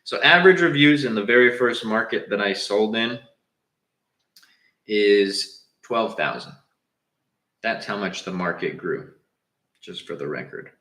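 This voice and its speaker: A man's voice: lowish voice, animated, unhurried, long pauses, pushed and bright, echoey room. A young man from Southern California with a Southern Californian accent, hosting a casual livestream and talking loosely and straight to his viewers. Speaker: livestream host.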